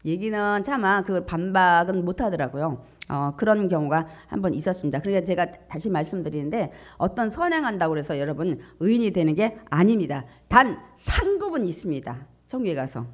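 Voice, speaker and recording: A woman pastor delivering a sermon in a church, animated and emphatic, often asking the congregation questions. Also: fairly low pitch, a little fast, hardly any pauses. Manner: animated preaching with frequent rising emphasis and audience questions. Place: church sanctuary.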